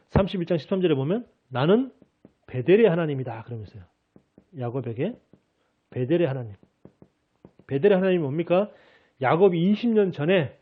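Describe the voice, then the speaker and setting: A male pastor preaching a Sunday sermon earnestly, raising his voice as he speaks God's promises. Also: on the high side. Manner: earnest preaching, acts out God's words in a raised voice. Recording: phone-like narrow sound.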